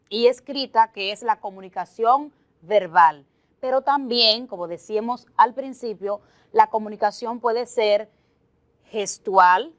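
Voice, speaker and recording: Woman teacher, slightly high voice, unhurried, methodical, dry close sound. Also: a bit bright, dry recording. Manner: slow, deliberate explaining with lists and examples. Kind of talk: televised remote class.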